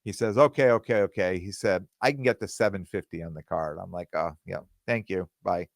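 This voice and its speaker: Low-voiced man rambling on his podcast. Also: brisk, gravelly, no room sound, clean studio sound. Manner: rambling, with many fillers and restarts; quotes other people in dialogue. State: losing his voice. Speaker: podcast host. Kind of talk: casual solo podcast talk.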